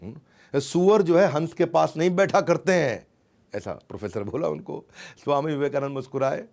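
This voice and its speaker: A man telling stories in a lively talk, repeating phrases and dropping in tag fillers. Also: on the high side, moderate pace, vocal fry. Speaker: motivational storyteller. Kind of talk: storytelling talk.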